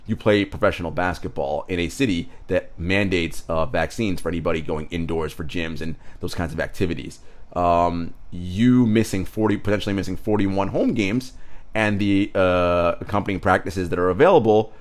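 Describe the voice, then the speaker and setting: Man, very low voice, sports podcast co-host, casual chat, affirming murmurs, remote recording. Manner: conversational, frequent affirming murmurs and laughs. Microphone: remote virtual recording.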